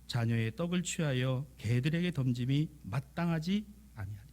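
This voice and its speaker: A middle-aged male pastor delivering an impassioned sermon, acting out the pleas of biblical figures and swinging from soft, near-whispered lines to loud, emphatic ones. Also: medium pitch, animated, moderate pace. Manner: impassioned preaching that acts out the voices of biblical figures.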